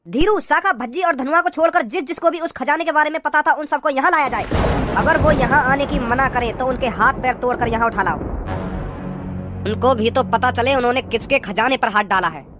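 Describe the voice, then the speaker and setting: A high voice doing a menacing gang boss. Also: fairly quick, music in the background, close to an everyday voice. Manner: threatening, grieving over lost treasure.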